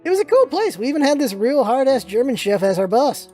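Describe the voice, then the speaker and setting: A woman's voice: high-pitched, very animated, fast, dark tone, soft background music. Woman as an easygoing, wry young soldier guy. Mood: nostalgic. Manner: casual, slangy, hesitant. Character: easygoing American soldier man, reluctant but kind, wry.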